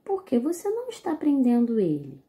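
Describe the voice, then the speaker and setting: A woman's voice: huge pitch swings, a little fast, warm tone. A woman voicing a young woman in a comic strip who cries for help and then wonders why the policeman does nothing. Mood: alarmed. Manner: shrill exclaiming, read from a comic strip.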